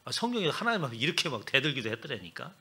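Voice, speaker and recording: A man preaching a sermon as pastor, retelling scripture dramatically and swinging between loud exclamations and hushed asides. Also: mid-range voice, big pitch swings, racing, slightly rough.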